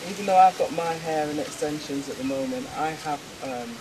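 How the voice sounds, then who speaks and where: A woman's voice: sits low, fairly quick. Earnest woman, noisy studio. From England. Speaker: guest. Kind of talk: casual studio talk show chat.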